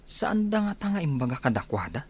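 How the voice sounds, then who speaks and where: An eager young friend in a radio drama. His voice sits a little high and bounces lively through each line. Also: fairly quick, breathy edge. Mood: explaining. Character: young man Alex, friend of the groom.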